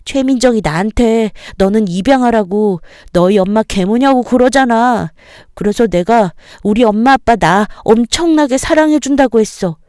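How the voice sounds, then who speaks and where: A woman's voice: on the high side, normal speed, darkish tone, clean tone, no echo, studio quality, pitched above the performer's own voice, lightly acted. A woman voicing a cheerful, proud young schoolboy who chatters boastfully, in a spoken storybook.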